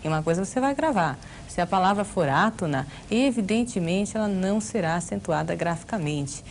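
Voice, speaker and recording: Low-voiced Brazilian woman teaching grammar. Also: lively intonation, brisk, gravelly, slight background noise. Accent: Brazilian Portuguese. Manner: didactic, explaining with rhetorical questions. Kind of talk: video lesson for exam prep.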